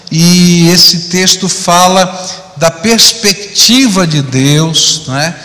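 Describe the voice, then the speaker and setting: A man's voice: on the high side, bright, forceful tone. A middle-aged male pastor preaching conversationally on a church stage into a handheld mic, often adding tag questions. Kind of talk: sermon. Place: large church auditorium stage. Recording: long hall reverb.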